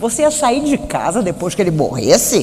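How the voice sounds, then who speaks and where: The speech moves at a moderate pace with lively intonation. Noticeable background noise and audible room echo fill the recording. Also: woman. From Brazil, Rio de Janeiro then Brasília. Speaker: spiritist lecturer. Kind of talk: lecture.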